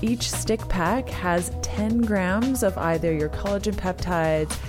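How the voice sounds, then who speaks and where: Hoarse young woman doing her solo podcast, super upbeat and excited, faint music under. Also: on the low side, slow. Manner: upbeat and enthusiastic. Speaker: podcast host. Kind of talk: solo podcast chat with sponsor reads.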